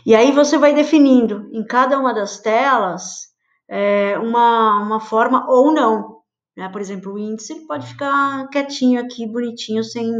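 A middle-aged woman walks through a screen-share lesson in a loose, chatty way, filling pauses with little asides. Her voice sits at an ordinary pitch for a woman. The webcam audio sounds a bit dull and lo-fi. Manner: chatty, many fillers and pet phrases. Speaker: design instructor. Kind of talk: casual screen-share tutorial. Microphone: webcam video call.

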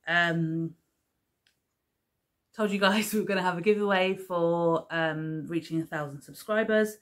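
Seated on her living room sofa, a crafting vlogger in her thirties talks casually to a camera placed at table distance. Her pitch is fairly low and her tone a bit bright. She rambles, full of ums and false starts.

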